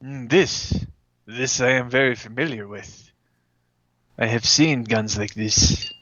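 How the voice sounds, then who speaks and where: A man's voice: medium pitch, slow, a bit bright, no room sound, dull audio. A man voicing a proud, formal plant creature who speaks stiffly with French words sprinkled in, during a tabletop game. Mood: measured, courteous.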